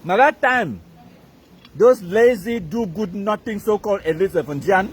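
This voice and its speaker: A man's voice: sits high, measured pace, breathy edge. A Cameroonian man with a Cameroonian accent, giving an emphatic, repetitive live-stream rant that mixes pidgin and English.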